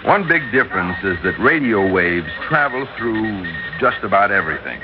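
An actor playing a confident radio announcer in a vintage radio drama. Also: male voice, lowish voice, sing-song, normal speed, loud music behind the voice. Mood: easygoing. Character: radio announcer reporting a space message, man. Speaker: radio broadcaster. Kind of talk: 1960s radio drama acting. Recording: dull old radio recording with hiss.

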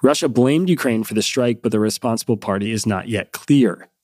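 Male news podcast host, congested nasal voice, brisk even read, dry close studio sound. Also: fairly low pitch, no echo. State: congested from a cold.

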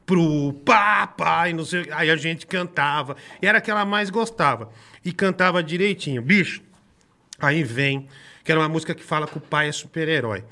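High, bright-voiced Brazilian storyteller man. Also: a little fast. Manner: animated, swearing, acts out quoted voices. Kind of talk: casual chat, storytelling.

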